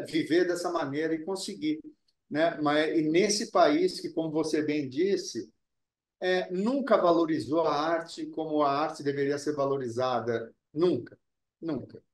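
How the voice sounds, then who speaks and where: A man being interviewed as an actor, talking earnestly and deliberately, often repeating words as he searches for them, and Italian was his first language. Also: fairly high pitch, reverberant. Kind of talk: reflective interview talk.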